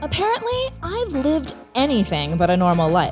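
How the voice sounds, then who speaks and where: A woman speaks with music in the background. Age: 40s. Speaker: makeup artist and podcast host. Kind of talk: podcast intro.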